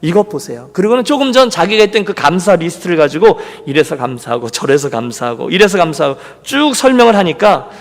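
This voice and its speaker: A man's voice: high voice, sing-song, quick pace, few pauses. A male pastor giving a Sunday sermon, telling a story and voicing the people in it. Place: church sanctuary. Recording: long reverb of a church hall.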